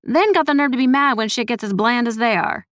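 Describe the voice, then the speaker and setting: A woman's voice: a little high, fairly quick, fairly bright tone, no room sound, pitched above the performer's own voice, natural voice. Stern, salty grandmother in an audiobook, elderly and protective, scolds bluntly, dry studio sound female reader performs her. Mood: grumbling scorn.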